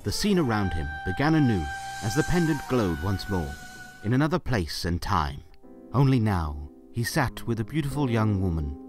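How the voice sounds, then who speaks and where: A man's voice: lowish voice, very animated, normal speed, over music. A man narrating a scripted story for an audio drama.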